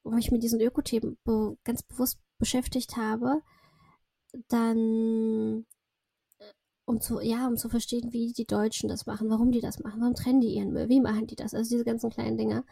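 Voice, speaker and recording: A woman's voice: fairly high pitch, level tone, brisk, creaky, dark tone, breathy edge, no room sound. A woman in her thirties, a native Russian speaker from Russia, talking as a podcast guest in a reflective, rambling way with many fillers and self-corrections. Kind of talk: casual interview chat.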